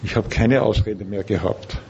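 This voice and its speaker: A man's voice: on the low side, steady tone, moderate pace, a little mellow, highs cut off. Austrian man speaking careful standard German. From Linz, Austria. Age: middle-aged or older. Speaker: speaker at a recovery meeting. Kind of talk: personal testimony to a group. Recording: background noise, room ambience.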